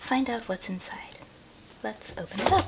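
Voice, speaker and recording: A soft-spoken woman against noticeable background noise. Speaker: ASMR creator. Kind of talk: ASMR unboxing. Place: home room.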